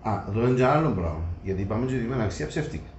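A man with a Greek Cypriot accent chats informally and makes his points in everyday colloquial speech. His voice sits at a middling pitch. The recording is echoey and a bit muffled, with faint noise. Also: expressive, darkish tone. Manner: colloquial, acts out imagined customer dialogue. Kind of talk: animated casual discussion.

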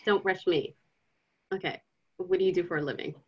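An actress playing a young woman in grad school who interviews and gently teases the man she loves. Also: fairly low pitch, fairly quick, breathy edge, lo-fi sound. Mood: probing. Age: young adult. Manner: lively, probing, gently mocking.

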